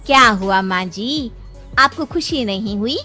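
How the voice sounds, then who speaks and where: A determined village daughter-in-law in a cartoon speaks earnestly and respectfully. Her tone is bright and slightly high. Soft music plays under her. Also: animated, unhurried. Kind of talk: cartoon voice acting.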